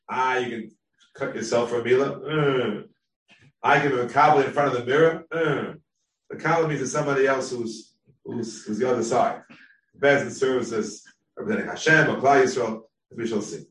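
A man leading a Talmud class, thinking aloud and reading out sources with quick asides. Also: medium pitch, fairly bright tone, roomy sound, recorded from a distance, low-quality recording. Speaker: Talmud teacher. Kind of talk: text-based Talmud class.

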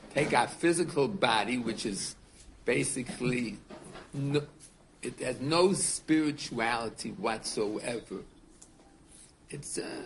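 Speaking with vocal fry at a medium pitch, a man in his seventies, a rabbi, leads a class in an earnest, casual manner. He tends to repeat words and quiz his students, and a slight hiss or hum runs underneath.

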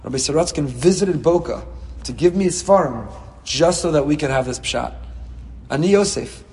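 A man giving a Torah class as a rabbi, reading Hebrew texts and explaining them with passion, swinging between soft and loud. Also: fairly high pitch, normal speed, in a large hall. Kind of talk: Torah class on the weekly portion.

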